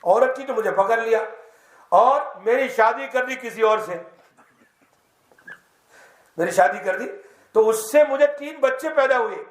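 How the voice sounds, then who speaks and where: High-voiced man teaching in an echoey mosque. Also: pauses often. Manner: lively storytelling, quizzes the audience; tells the tale in the first person. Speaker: Islamic teacher. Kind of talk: mosque lesson storytelling. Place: mosque hall.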